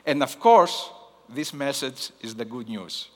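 A man from Greece with a Greek accent, preaching a sermon in a deliberate way and repeating key phrases for emphasis. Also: mid-range voice, lively intonation. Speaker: guest missions preacher. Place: large hall, speaking to a congregation. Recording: long hall reverb.

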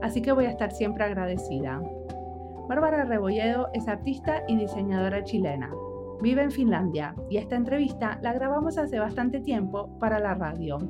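A woman's voice: fairly high pitch, lively intonation, normal speed, music in the background. A woman hosting an interview, speaking in a friendly, conversational way. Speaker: podcast host.

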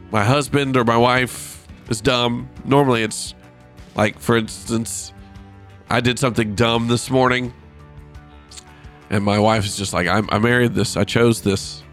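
A man's voice: medium pitch, fairly bright tone. A man speaking casually as a devotional podcast host, informal and self-deprecating, with blocked sinuses that make him sound nasal, as if pinching his nose. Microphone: close podcast microphone.

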